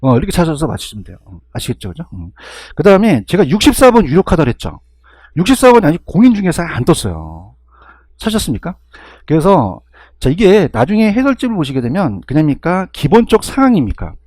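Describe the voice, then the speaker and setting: A man with a husky voice giving an exam-review lecture, constantly firing rhetorical questions and checking in with his students. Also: a little high, huge pitch swings, fast, a little mellow, no echo.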